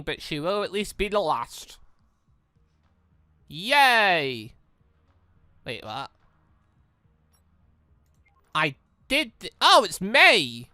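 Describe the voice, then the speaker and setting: Guy doing a lets play, bright excitable voice, rambles away, faint music behind. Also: high-pitched, no echo. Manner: rambling, excitable, thinking aloud. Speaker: let's play host. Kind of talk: casual game commentary with read-out dialogue.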